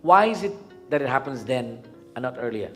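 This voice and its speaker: A man with a Guyanese accent giving an interactive Hindu sermon in a didactic, questioning manner, repeating points deliberately. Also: medium pitch, expressive, a bit bright, faint music behind. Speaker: Hindu temple preacher. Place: live event in a temple before a congregation.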